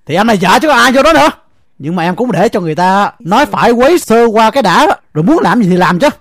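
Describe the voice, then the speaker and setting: An actor with a Southern Vietnamese accent playing a timid husband who pleads in a flustered way in an audio drama. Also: male voice, sits high, sing-song, fast talker, a bit bright, dry recording, clean studio sound, exaggerated voice. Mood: pleading. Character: harried timid husband caught between two women.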